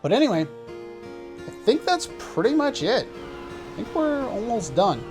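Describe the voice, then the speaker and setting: A woman's voice: a little high, very animated, unhurried. A woman hosting a let's play, giving casual, opinionated and sarcastic reaction commentary. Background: loud game soundtrack music.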